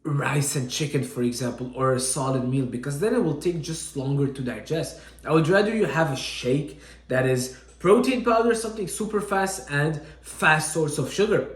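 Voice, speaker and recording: An energetic man from Syria coaching viewers on training and diet, talking casually and often checking in with "all right?". His voice sits a little high for a man. The sound carries a noticeable room echo. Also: moderate pace. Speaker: fitness coach. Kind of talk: casual fitness advice to camera.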